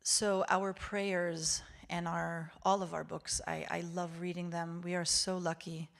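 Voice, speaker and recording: A woman's voice: fairly low pitch, level tone, a little slow, creaky. A woman who is a native Hebrew speaker, giving a heartfelt, emphatic inspirational address to a congregation as a guest speaker, repeating phrases for effect. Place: speaking live to a synagogue congregation.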